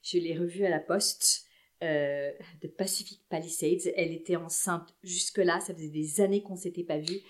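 Podcast guest, woman, 40s, low-set voice, chatty and halting storyteller. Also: fairly even intonation. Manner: chatty, hesitant, with many restarts. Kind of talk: casual anecdote telling.

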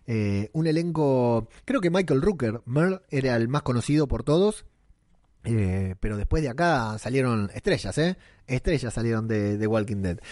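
Un hombre con acento rioplatense argentino que comenta una serie en tono charlado, con muchas muletillas y frases que retoma. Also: male voice, medium pitch, darkish tone, no echo, clean studio sound. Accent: Argentine Rioplatense Spanish. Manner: rambling, colloquial, many fillers and restarts. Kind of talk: casual commentary on a TV series.

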